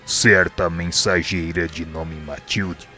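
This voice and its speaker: A man plays a wise, humble spirit mentor in a radio drama. The voice is low and flat in melody, calm and formal as it explains, over music. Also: slow pace, exaggerated voice. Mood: humble, respectful.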